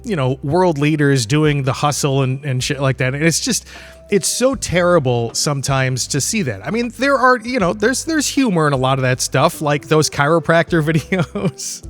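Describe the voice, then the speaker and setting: A man's voice: on the high side, lively intonation, moderate pace, fairly bright tone, soft background music. A man hosting a solo podcast, talking in a casual, rambling, candid way with loose swearing and chuckles mid-sentence. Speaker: podcast host.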